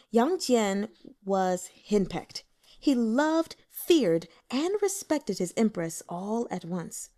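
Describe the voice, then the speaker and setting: A woman narrating a novel as an audiobook, with an expressive, animated delivery. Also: fairly high pitch.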